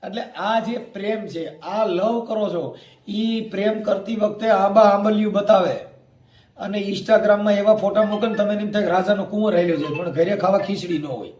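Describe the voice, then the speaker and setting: A man's voice: high voice, fairly even intonation, normal speed, darkish tone, dull audio. A man with a Saurashtra Gujarati accent giving colloquial, preachy commentary, warning his listeners like a community adviser. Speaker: community advice host. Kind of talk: admonishing spoken commentary. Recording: roomy, echoing sound.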